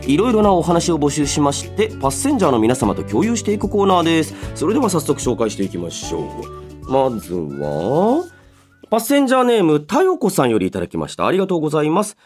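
Animated man hosting a radio show. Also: fairly high pitch, quick pace, soft background music. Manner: animated storytelling with sound-effect words and casual asides. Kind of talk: solo radio chat reading listener mail.

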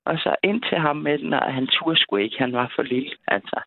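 Woman caller, gravelly, chatty storyteller who laughs often, tinny phone line, dry sound. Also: sits low, no room sound. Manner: lively, chatty, laughs between sentences. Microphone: telephone.

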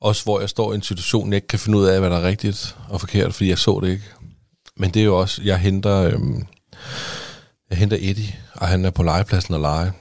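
A man with a fairly low voice recounts a story in relaxed podcast chat. He acts out the dialogue as he goes and drops the odd curse word. The sound is dry and close, with no room echo. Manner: animated storytelling, swearing, acting out dialogue. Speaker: podcast co-host. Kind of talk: casual chat.

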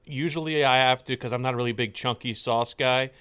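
A man's voice: mid-range voice, fairly even intonation, fairly quick, bright, forceful tone, clear, resonant tone. A man hosting a casual podcast, talking in long rambling runs with many fillers and restarts. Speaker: podcast host.

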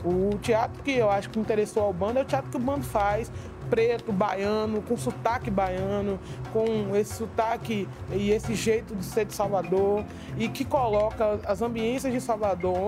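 A woman's voice: medium pitch, fairly even intonation, moderate pace. A woman explaining firmly in a documentary interview. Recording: documentary clip with music behind.

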